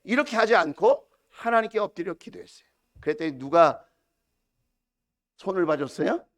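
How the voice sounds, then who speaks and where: Animated Korean pastor preaching. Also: male voice, high-pitched, moderate pace. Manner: animated preaching with acted quotes and rhetorical questions. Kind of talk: sermon. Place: church sanctuary.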